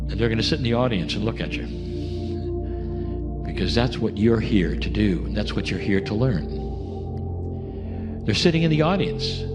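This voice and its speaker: Gentle man guiding a meditation. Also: lowish voice. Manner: gentle, coaxing, asks the listener many questions. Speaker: spiritual teacher leading a meditation. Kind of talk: guided meditation. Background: music.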